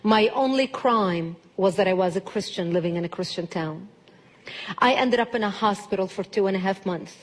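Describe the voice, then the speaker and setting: A middle-aged woman from Lebanon, giving a testimony speech to a church audience in a measured, emphatic way with deliberate pauses. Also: medium pitch. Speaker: guest speaker.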